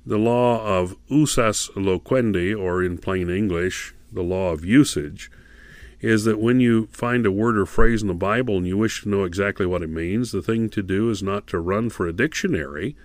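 A man hosting a Christian radio devotional program, speaking in a measured, deliberate way as he announces and teaches, repeating details for listeners. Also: on the low side, no room sound. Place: radio studio.

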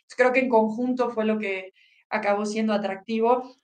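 Woman, Mexican Spanish accent, athlete and commentator being interviewed, lively storyteller, slightly high voice. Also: normal speed. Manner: animated storytelling. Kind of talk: casual interview conversation.

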